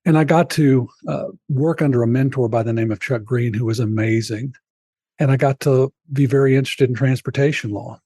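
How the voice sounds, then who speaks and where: An older man, around sixty, shares a personal story as a podcast guest. His voice is mellow and slightly raspy, recorded dry and close on the mic. He speaks earnestly and reflectively, turning to the host by name. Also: mid-range voice, fairly even intonation, a little fast, dry recording.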